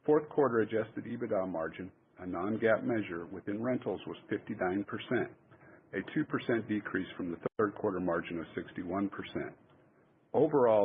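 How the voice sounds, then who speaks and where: Low, gravelly man on a tinny phone line. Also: a little hiss or hum. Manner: formal, measured reading of figures. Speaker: company executive. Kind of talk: scripted earnings call presentation. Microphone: conference call phone line.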